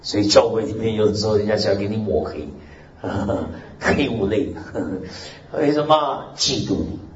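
A male pastor preaching a lively sermon with a loud, strong voice, exclaiming amen and hallelujah and laughing along. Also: medium pitch. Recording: roomy, muffled recording with faint hiss.

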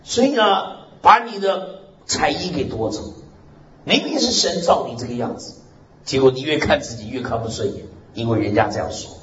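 A male pastor preaches in a loud, strong voice, his pitch rising and falling as he exclaims amen and hallelujah. The sound is roomy and somewhat dull, with a faint hiss beneath. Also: normal speed. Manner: animated preaching punctuated by frequent "amen" and "hallelujah", with laughter. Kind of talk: lively Mandarin sermon.

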